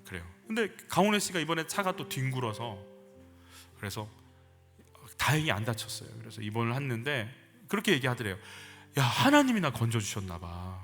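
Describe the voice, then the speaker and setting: A male pastor delivering a sermon, retelling a story with lively, acted-out dialogue. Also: medium pitch. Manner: animated storytelling, acting out quoted dialogue. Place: church sanctuary. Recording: church hall reverb with music behind.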